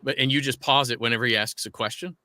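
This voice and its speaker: A man who works as a voice actor, chatting on a fan Q&A panel and telling stories in an animated, enthusiastic way. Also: mid-range voice, fast, no echo. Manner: animated storyteller, talkative and enthusiastic. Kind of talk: casual panel chat.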